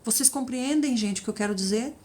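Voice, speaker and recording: Female preacher, lively and a bit high, acts out quoted voices. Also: a little fast. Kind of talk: devotional teaching.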